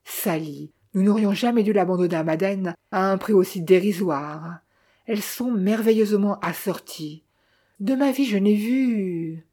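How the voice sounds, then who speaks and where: A reader voicing an agitated older male jeweler, a worried father who scolds his son, with a mellow, husky tone. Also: medium pitch, a little slow, natural voice. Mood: admiring. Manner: anxious, scolding.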